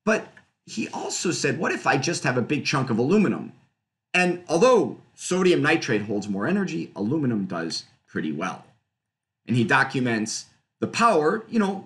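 A middle-aged man giving a conversational research talk over a video call from a room at home, explaining slides with fillers and quick self-corrections. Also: medium pitch, a bit bright. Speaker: physics researcher presenting. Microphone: webcam on a video call.

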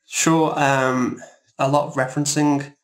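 A man speaking as an interviewed guest in a thoughtful discussion, halting and reflective, often repeating words. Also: mid-range voice, level tone.

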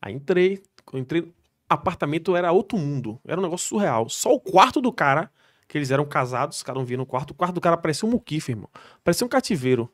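Fast-talking policeman telling stories. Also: fairly high pitch. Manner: slangy, animated anecdote telling. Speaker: military police soldier guest. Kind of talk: podcast storytelling.

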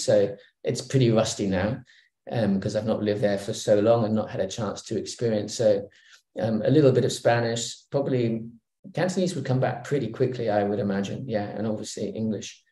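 A middle-aged man talks over a video call from a room with plenty of echo. His voice sits fairly low and has a mellow, dark tone. He muses aloud, restarting sentences and filling pauses with "um.". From Hong Kong. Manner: relaxed, reflective, many fillers and restarts. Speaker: guest executive. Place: home room. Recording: roomy video call audio.

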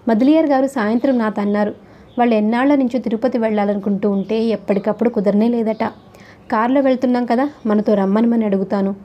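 A woman reading the lines of an earnest, protective young husband in a gentle but firm, low voice. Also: fairly even intonation, fast talker, lo-fi sound, lightly acted.

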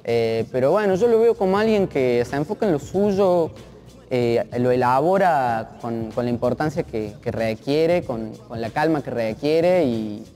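A man's voice: medium pitch, expressive, unhurried, dark tone. A young man in his twenties speaks with a Cordobese Argentine accent in a mid-range voice. He chats reflectively as an interview guest, using casual slang and tentative phrasing. Faint music plays beneath him. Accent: Cordobese Argentine Spanish. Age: 20s. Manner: slangy, tentative, searching for words. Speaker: interview guest, freestyle rapper. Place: large art gallery, indoors.

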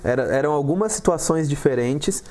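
A man with a Brazilian Portuguese accent, a comedian guest on a talk show, telling stories in an animated way and acting out what people said. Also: on the high side, brisk. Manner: animated storytelling, acts out quotes. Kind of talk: casual talk show interview.

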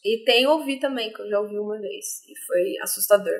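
A woman's voice: medium pitch, fairly quick. A woman who answers interview questions hesitantly, searching for her words.

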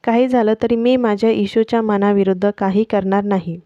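Woman voicing a firm calm mother, slow measured delivery, mellow tone, lo-fi sound. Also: mid-range voice, dry recording, natural voice. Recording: dull, dry lo-fi recording.

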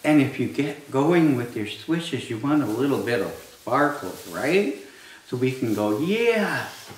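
Male drag queen, middle-aged, theatrical children's read-aloud, slow playful drawn-out words, distant mic. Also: mid-range voice, animated, a little hiss or hum. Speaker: drag queen storytime performer. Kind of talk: children's picture book read-aloud with asides. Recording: roomy, distant microphone.

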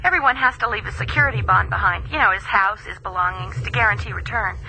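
An actress playing a chatty, excited female friend who gushes about a holiday in time. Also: medium pitch, fast, rough recording. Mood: gushing. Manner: gushing, chatty.

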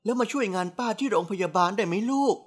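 A woman's voice: medium pitch, animated, quick pace, slightly rough. A woman reading a novel aloud, voicing a strict middle-aged aunt who is a senior doctor, firm but affectionate. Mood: gently firm. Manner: firm, scolding yet affectionate.

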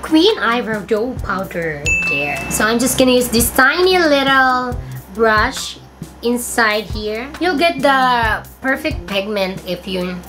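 Young woman, Filipino accent, husky deep tone, pitched a bit high, slow jokey makeup vlogger. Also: expressive, loud music behind the voice. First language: Tagalog. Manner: playful, bursts into song and laughter. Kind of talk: comedic makeup tutorial. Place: bedroom, indoors.

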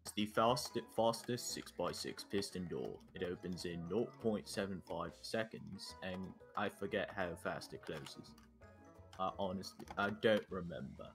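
A woman's voice: extremely low pitch, unhurried. A woman in casual gaming chat, showing off a Minecraft build in a playful, joking manner, over light background music.

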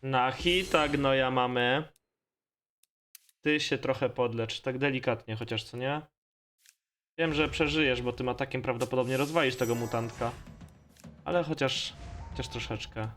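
A man's voice: medium pitch, normal speed, long pauses, a bit bright, slight background noise. A man with a Polish accent giving casual, slangy, mildly profane gaming commentary as host of a let's play. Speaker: gamer hosting a let's play series.

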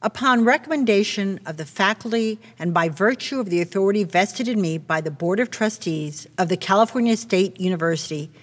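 A middle-aged woman, a university president, conferring degrees in a solemn, deliberate way at a podium on stage. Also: mid-range voice. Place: stage with podium and red curtains. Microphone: podium mic. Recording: long hall reverb.

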